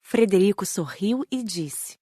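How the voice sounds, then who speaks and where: Audiobook narrator: Brazilian female, first-person storytelling, medium pitch, dry recording. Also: expressive, a little slow, dark tone, husky, no echo.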